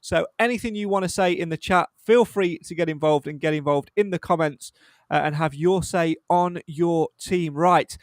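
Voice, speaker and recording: Casual podcast host, man, fairly high voice, close dry sound, chatty with lots of "uh"s. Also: normal speed, no room sound. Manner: chatty, self-deprecating, with frequent fillers. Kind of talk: casual live podcast hosting.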